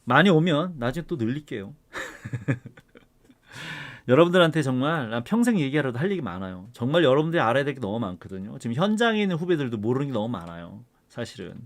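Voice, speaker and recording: A middle-aged man, an art professor, lecturing casually and switching between heated ranting and quieter asides. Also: medium pitch. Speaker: art professor and channel host.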